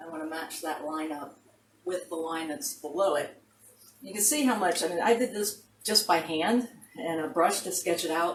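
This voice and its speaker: Over noticeable background noise, a woman with a fairly low pitch speaks with lively intonation and big swings in loudness. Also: moderate pace. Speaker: painter and art instructor. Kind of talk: painting demonstration tutorial. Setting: home art studio. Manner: mumbling, thinking aloud.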